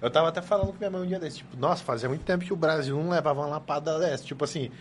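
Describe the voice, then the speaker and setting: Animated fast-talking man with a Piauí accent. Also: fairly high pitch, a crowd in the background. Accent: Piauí Brazilian Portuguese. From Piauí, Brazil. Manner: animated, slangy. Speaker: podcast co-host. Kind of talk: casual podcast chat.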